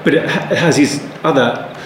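A man's voice: fairly high pitch, moderate pace. Man teaching Bible study, echoey room. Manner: rambling, thoughtful, frequent restarts and asides. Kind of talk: unscripted Bible study talk. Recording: echoey room with faint ambient noise.

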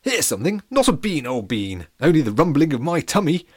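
A man's voice: fairly high pitch, very animated, fairly quick, no room sound, studio quality, voice pushed up. A man voicing a cheerful, posh male pancake captain in a storybook reading, with a plummy upper-class manner. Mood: jolly.

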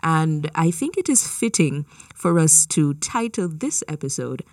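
A woman's voice: low-pitched, big pitch swings, measured pace, a little mellow, no room sound, far from the mic. A woman hosting a radio interview in a studio, upbeat and chatty, often affirming her guest. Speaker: radio show host.

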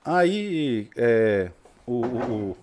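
A man with a Brazilian Portuguese accent talks in a relaxed conversation with a middle-pitched voice. He is blunt and swears freely. He spins stories full of animated asides. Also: extremely slow, a little hiss or hum. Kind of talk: casual chat.

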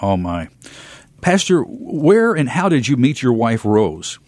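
A man's voice: mid-range voice, big pitch swings, slow, darkish tone. An American man hosting a Christian radio program, making announcements and interviewing a guest. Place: radio studio.

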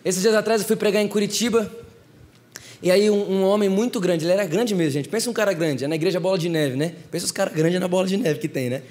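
A young male preacher with a Brazilian Portuguese accent and a high voice. He tells stories in a lively, animated way and turns often to the congregation as he speaks. His delivery moves at a quick pace. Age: young adult. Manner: animated storytelling, talking straight to the congregation. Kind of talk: sermon.

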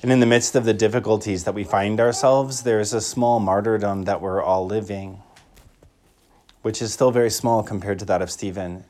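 A man's voice: lowish voice, fairly even intonation, normal speed, a little mellow, slight background noise. A man speaking as a Catholic priest, reading scripture and preaching a homily in a reflective manner, repeating phrases for emphasis. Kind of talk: liturgical Gospel reading and homily.

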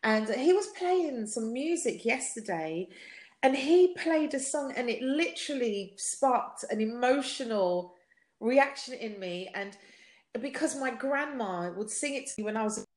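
A woman in her forties, a singer being interviewed, talking in an animated, chatty way with quick laughs and frequent restarts. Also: fairly high pitch. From United Kingdom. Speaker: guest singer. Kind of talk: casual interview chat. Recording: echoey room.

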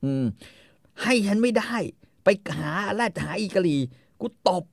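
A man chatting casually as he retells a story, crude and animated. His pitch moves a great deal. The recording is dry and close. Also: unhurried, no echo. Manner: crude, animated, acts out characters.

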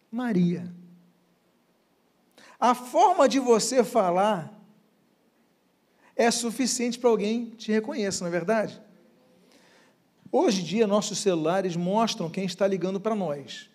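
A man preaching a sermon as pastor, swinging dramatically between loud and hushed phrases. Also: sits high.

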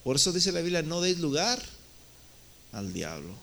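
A pastor in a United States church preaches a sermon, addressing his listeners as brothers and letting his voice rise and fall for emphasis. His voice is on the high side with big pitch swings, vocal fry and a fairly bright tone, at a moderate pace.

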